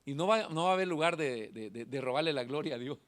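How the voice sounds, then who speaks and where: A middle-aged male pastor, preaching a sermon in a church hall. He has a thin, nasal voice and swings from shouting to quiet asides. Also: fairly high pitch, animated, fast.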